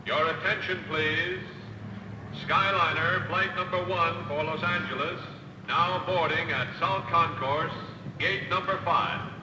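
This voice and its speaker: Slow airport announcer over the speaker. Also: male voice, on the high side, fairly even intonation, noisy background. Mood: formal. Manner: measured, formal announcing. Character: male airport announcer, businesslike. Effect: over the airport public address speaker. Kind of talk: 1950s film acting. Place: airport concourse. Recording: echoey hall from far off with film music.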